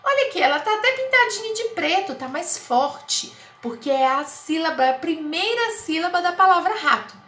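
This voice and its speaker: A woman with a Brazilian Portuguese accent teaching first graders in a recorded online class, talking slowly in a sing-song, exaggerated way. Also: very high-pitched, animated, pushed and bright. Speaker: primary school teacher. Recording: echoey room, faint noise.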